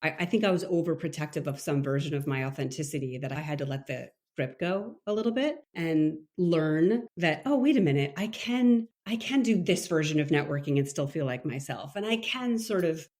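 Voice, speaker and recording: A woman's voice: sits low, expressive, fairly quick, hardly any pauses, darkish tone. A woman who works as a leadership coach, a guest in a casual interview, talking in a thoughtful, reflective way. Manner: thoughtful, reflective, with many fillers and restarts.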